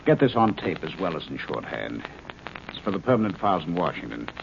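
An actor playing a brisk male research chief in a 1950s radio drama, clipped, official and businesslike. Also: low-pitched, very animated, vocal fry, full character voice. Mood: brisk, commanding. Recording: muffled, hissy old radio recording.

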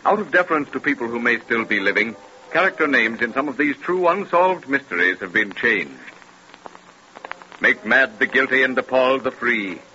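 A man's voice: medium pitch, sharp tone, highs cut off. An actor playing a solemn narrator of 1930s radio mystery tales, formal and theatrical in his declamation. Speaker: announcer and narrator. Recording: scratchy band-limited 1930s radio recording.

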